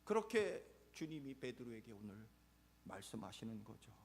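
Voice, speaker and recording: A man's voice: lowish voice, big pitch swings, moderate pace, darkish tone. A male pastor preaching a sermon in a church, speaking earnestly and addressing the congregation directly.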